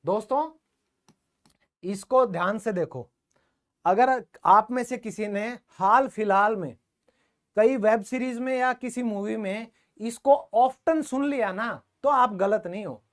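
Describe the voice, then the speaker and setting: A man's voice: sits high, takes it slowly. Male English teacher running a live grammar class, casual and joking with his students. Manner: colloquial, jokey, talks directly to students.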